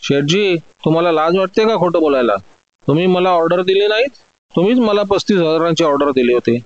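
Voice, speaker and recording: Audio-story part: brash young broker, lying and defensive , voiced by a man, pitched high, dry lo-fi. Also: lively intonation, fairly quick, no echo, lightly acted. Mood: angry. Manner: loud, defensive outbursts.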